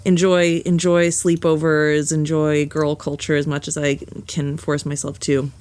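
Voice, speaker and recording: A young woman telling a candid personal story as a podcast guest, animated and laughing often, with lots of filler words. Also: deep voice, measured pace.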